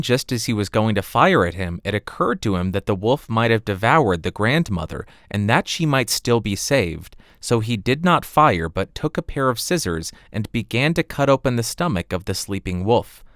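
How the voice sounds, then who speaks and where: Lively male storybook narrator. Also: on the low side, normal speed, hardly any pauses, no room sound, studio quality. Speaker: audiobook narrator. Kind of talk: expressive scripted fairy-tale narration. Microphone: close studio condenser microphone.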